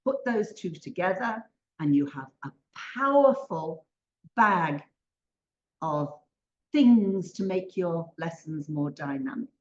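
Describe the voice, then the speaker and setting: An older woman training teachers, leading a slow, emphatic interactive drama exercise over a video call. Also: on the low side, lively intonation, a little mellow, roomy sound, dull audio. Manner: slow, emphatic, leads call-and-response chants. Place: home room on a video call.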